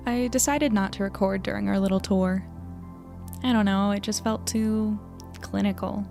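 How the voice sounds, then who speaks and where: A woman's voice: mid-range voice, steady tone, moderate pace, gravelly, over music, lightly acted. A woman playing a candid, self-deprecating young journalist, reflective and a little hesitant, in a confessional audio drama diary. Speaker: lead actor and narrator of an audio drama.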